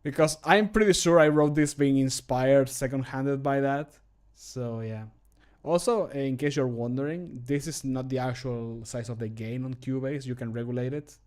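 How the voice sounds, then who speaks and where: A man talks casually on a livestream as he works at his desk. His voice sits at a medium pitch. He often mutters to himself and has a self-deprecating way of talking. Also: normal speed, few pauses, a little mellow. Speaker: game modder recording his own voice lines, streamer. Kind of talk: casual livestream commentary while working. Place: indoor room at a computer desk.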